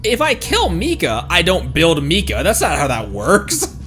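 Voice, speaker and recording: Animated man streaming a game. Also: on the high side. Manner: animated, halting, exclaims often. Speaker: livestreamer, VTuber. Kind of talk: casual gameplay commentary. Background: game music.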